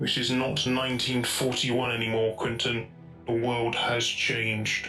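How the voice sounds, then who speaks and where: A put-on character voice at a moderate pace, with clear music playing behind it. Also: man. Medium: audio drama. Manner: flat, precise, unemotional.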